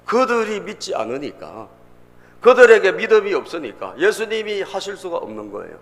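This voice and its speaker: A man's voice: high voice, sing-song, moderate pace, fairly bright tone. A male pastor delivering an emphatic sermon, repeating phrases and calling out to the congregation in a church sanctuary. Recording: long reverb in a church hall.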